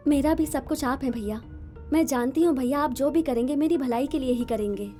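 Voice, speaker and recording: An actress dubbing a proud, rich young college woman who gives sharp, defiant retorts. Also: high voice, brisk, faint music behind, lightly acted. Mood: tender. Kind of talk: dubbed film acting.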